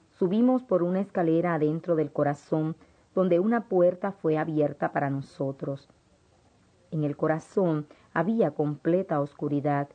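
Solemn low-voiced woman narrator. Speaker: audiobook narrator. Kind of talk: first-person audiobook narration. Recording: dull lo-fi audiobook audio.

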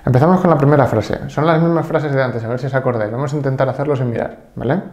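A man with a Spain Spanish accent teaches a Japanese lesson, his voice dark and mellow. He explains patiently and repeats each example slowly. The sound carries a roomy echo. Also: mid-range voice, muffled recording. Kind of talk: online language lesson.

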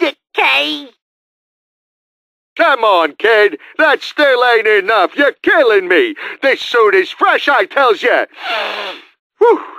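A performer voicing a streetwise, wheedling, excitable male costume hawker in a gas mask, a wisecracking video game character full of salesman patter. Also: mid-range voice, dry recording, full character voice.

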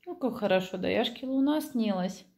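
A woman's voice: medium pitch, expressive, moderate pace, dark tone. A woman in her thirties chatting informally in a casual home vlog, as a mother of young children. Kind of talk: casual vlog chat, talking to camera and to her toddler. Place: living room and bedrooms at home, indoors. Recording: echoey room.

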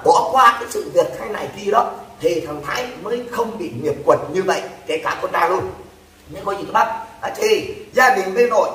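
A man telling a gossip story to viewers in an animated, mocking way. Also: high voice, recorded from a distance. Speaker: gossip commentator. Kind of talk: casual storytelling commentary. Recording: roomy echo, off-mic, faint noise.

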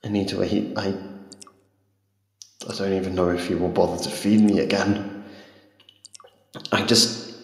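A man playing a frightened, humiliated young captive in an ASMR roleplay, halting and timid, with a gravelly voice. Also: deep voice, level tone. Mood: nervous resolve. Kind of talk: ASMR roleplay audio drama. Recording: echoey, long cavernous reverb.

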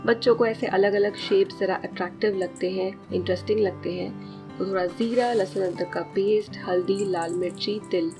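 A woman's voice: medium pitch, fairly even intonation, normal speed, over music. Woman chatting through a home cooking vlog. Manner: chatty, explains steps as she works. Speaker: cooking vlogger. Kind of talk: casual cooking voice-over. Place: home kitchen.

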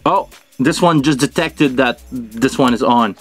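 Soft music plays in the background as a middle-aged man casually unboxes and reviews a product at a table in a small indoor studio. Speaking unhurriedly in a medium-pitched voice, he thinks aloud informally while handling the gear.

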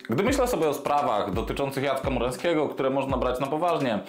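A man in his thirties ranting sarcastically on a commentary vlog, swearing freely and dropping low for emphasis, recorded indoors on a lapel mic. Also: big pitch swings, brisk, reverberant, soft background music. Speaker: commentary vlogger. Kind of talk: scripted commentary rant. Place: small indoor room with desk and monitor.

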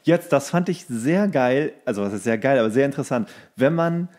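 A man's voice: medium pitch, animated, fairly quick, darkish tone. A man co-hosting a casual podcast chat, explaining in slang and acting out imagined exchanges. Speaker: podcast co-host.

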